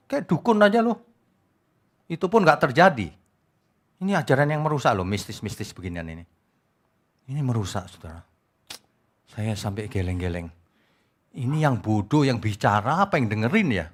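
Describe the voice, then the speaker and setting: Animated, mocking male pastor preaching. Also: mid-range voice. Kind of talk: sermon. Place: church.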